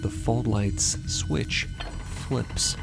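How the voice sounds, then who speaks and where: A man's voice: medium pitch, extremely slow, vocal fry, loud music behind the voice. A man narrating a fantasy audio drama in an intense, theatrical style.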